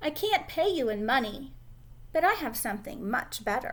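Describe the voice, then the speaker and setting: A woman puts on a character voice, pitched high. Her pitch swings very widely. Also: moderate pace. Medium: read story. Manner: whispering.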